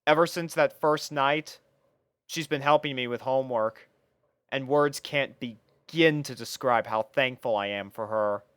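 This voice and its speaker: A man narrates a first-person story from a script. His voice is smooth and clear at a middle pitch, recorded close and dry. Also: measured pace, a bit bright, dry recording.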